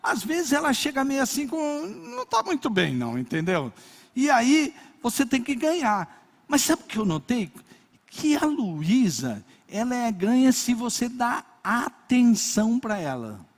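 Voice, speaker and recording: An older man with a Brazilian accent preaching a sermon, telling personal stories in a lively way and acting out little scenes. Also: very high voice, a little slow, big-room sound. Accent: Brazilian Portuguese. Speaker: pastor.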